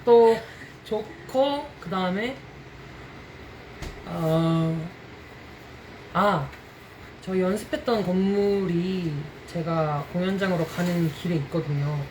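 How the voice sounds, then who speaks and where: A stage actress with a Gyeongsang accent, speaking hesitantly and thoughtfully in a casual interview. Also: female voice, lowish voice, takes it slowly, pauses often, a little mellow, slight background noise, poor audio. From Ulsan, South Korea.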